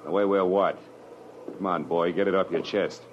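A hard-boiled private eye acted by a man from an old radio drama. His low voice is clipped and sardonic. The recording is muffled, with clear hiss. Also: steady tone, normal speed, natural voice. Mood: tough, sardonic. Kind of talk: 1940s radio detective drama acting and narration.

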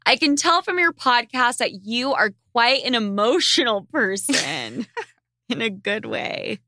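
Blunt and crude, a young podcast host from an Argentine family reads out listener questions and answers them with frequent laughter. Her fairly high voice swings widely in pitch, sounding pushed and bright at a slightly slow pace. It's a dry recording with clean studio sound.

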